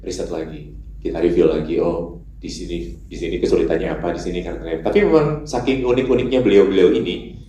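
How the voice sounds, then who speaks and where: A man's voice: low voice, fast, mellow. A man who voices a cartoon character, answering questions at a press conference in an earnest, rambling way. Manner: earnest, rambling with fillers and asides. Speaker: voice actor for the film. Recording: echoey hall with faint ambience.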